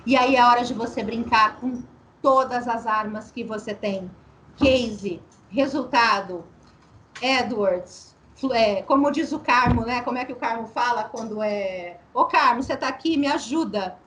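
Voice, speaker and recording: A woman's voice: a little high, unhurried, fairly bright tone, slight background noise, poor audio. A woman leading a sales training, speaking persuasively and asking the listener rhetorical questions.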